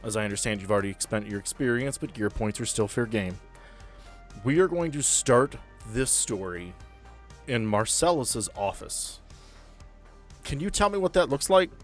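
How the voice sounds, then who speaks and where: A man's voice: medium pitch, very animated, moderate pace, faint music behind. A man working as game master, moving between tabletop roleplay narration and casual chat.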